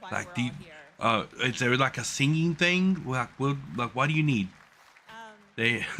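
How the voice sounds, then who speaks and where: A man speaks with a fairly high pitch at a fairly slow pace. He leaves long, frequent pauses while crowd noise carries in the background. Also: ordinary pitch variation. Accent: American. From US South. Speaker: VTuber streamer. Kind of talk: casual commentary.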